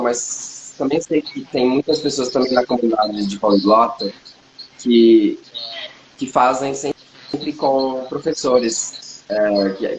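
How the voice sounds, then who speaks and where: A man talks in a casual chat in Portuguese, which is not his first language. He hesitates and restarts his sentences often. His voice sits at a middle pitch and carries a roomy echo over a faint hiss. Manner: hesitant, many restarts and fillers. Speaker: co-host, polyglot. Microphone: livestream recording.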